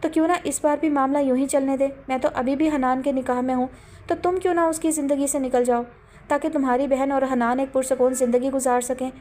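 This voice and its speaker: A firm elder sister speaks coldly and sharply, scolding in a high voice, as a woman narrator puts her on. Protective of her mother and unmoved by pleas. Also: steady tone, darkish tone, close to an everyday voice.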